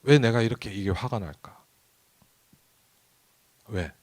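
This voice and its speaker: A man's voice: fairly low pitch, expressive, slow pace, a little mellow. A man who is a pastor, preaching a midweek sermon in a conversational way and often asking the congregation questions. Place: church sanctuary.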